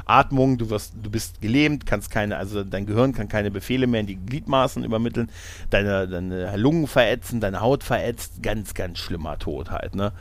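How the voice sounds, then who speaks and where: A man's voice: on the low side, normal speed. Male podcast host: loose, rambling retelling of a film, keeps checking in with his co-host. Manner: rambling retelling, frequent tag questions and laughs. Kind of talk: casual film discussion.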